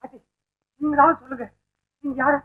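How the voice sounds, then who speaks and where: A brash, cheeky young troublemaker. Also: male voice, very high voice, a little fast, phone-quality sound. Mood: excited. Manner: excitable, bursts into shouts. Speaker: comic young man confessing to a theft. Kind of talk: 1960s film comedy acting.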